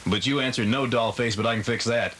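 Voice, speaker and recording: A man's voice: medium pitch, steady tone, quick pace, pushed and bright. An American man hosting afternoon radio, bantering in a playful, wry comic way. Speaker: radio DJ host. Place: radio studio. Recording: hissy 1980s radio aircheck tape.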